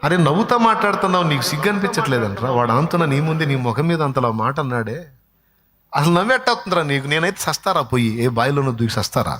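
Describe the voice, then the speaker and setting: A man preaching, acting out a scornful male relative who taunts and scolds a believer, his voice climbing high as he jeers. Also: normal speed, pauses often, lightly acted. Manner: taunting, scolding, rising to shouts.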